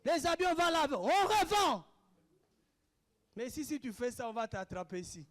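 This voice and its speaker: Very high-voiced, fiery preacher. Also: male voice, sing-song, normal speed. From Africa. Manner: impassioned, swings between shouted declarations and hushed asides. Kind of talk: sermon answering questions.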